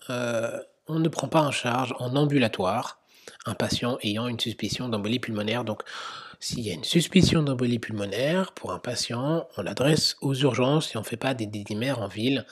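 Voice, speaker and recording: Husky-voiced man explaining medical guidelines. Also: mid-range voice. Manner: explanatory, frequent hesitations, occasional whispered asides. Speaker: medical lecturer. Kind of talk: slide lecture on medical guidelines.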